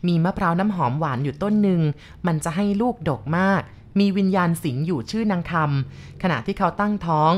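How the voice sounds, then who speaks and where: A woman voicing a wandering forest monk who calmly explains the haunting and reassures the family. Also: lowish voice, brisk, muffled recording, lightly acted. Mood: explaining. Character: calm wandering forest monk, older man.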